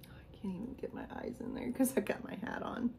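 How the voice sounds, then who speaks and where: A woman in her thirties chatting casually in a haul vlog from a small room, rambling and laughing, a little hoarse from losing her voice. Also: fairly high pitch, mellow. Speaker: vlogger showing a haul. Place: small decorated room indoors.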